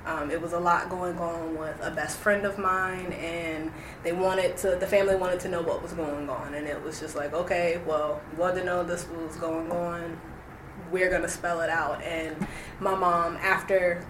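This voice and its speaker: A woman's voice: fairly low pitch, fairly even intonation, moderate pace. A young woman, recalling her early life in an oral history interview, reflective and hesitant with many fillers. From Roanoke, Virginia. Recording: echoey room with noise.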